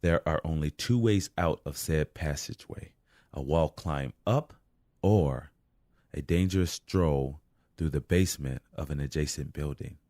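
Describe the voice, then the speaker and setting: A man's voice: rumbling low, measured pace, warm tone, dry recording, studio quality. An actor playing a weary, wry, street-smart man surviving a deadly night, muttering and sighing through an audio drama monologue. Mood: wry, confiding.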